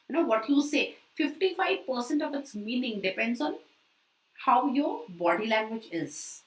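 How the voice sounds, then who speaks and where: Echoey bright-voiced Indian woman teacher. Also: a little high. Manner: mixes Hindi and English, checks in with "ठीक है?"; stretches key words slowly for emphasis. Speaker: commerce exam teacher. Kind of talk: live online revision lecture. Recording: echoey, from a distance.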